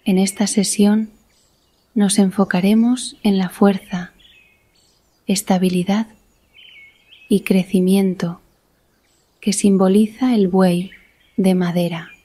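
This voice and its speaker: Woman, meditation guide, very slow pace, soft mellow tone, steady even pitch, soothing delivery. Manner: soothing, deliberate, with long pauses.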